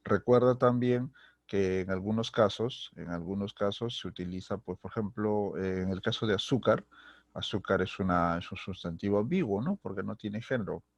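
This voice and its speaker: A man's voice: lowish voice, normal speed, no echo, lo-fi sound. A man from Peru with a Peruvian Spanish accent, teaching a recorded secondary school grammar lesson, restating terms and often checking that students follow. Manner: explanatory, repeats and restates terms, frequent "¿sí?" and "¿listo?" checks.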